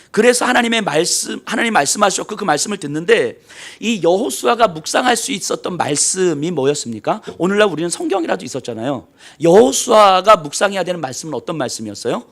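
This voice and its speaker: Gravelly, lively Korean pastor preaching. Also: male voice, on the high side. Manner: dramatic storytelling, acting out crowds and prayers; swings between loud bursts and hushed near-whispers. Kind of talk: sermon. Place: church sanctuary.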